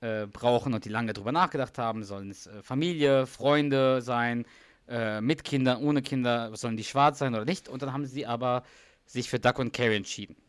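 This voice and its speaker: Male podcast co-host, a bit hoarse, dry close sound, retells scenes at length with fillers and restarts. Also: medium pitch, brisk, no echo. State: slightly hoarse, lost some voice. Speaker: podcast co-host recapping a sitcom episode. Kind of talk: casual chat.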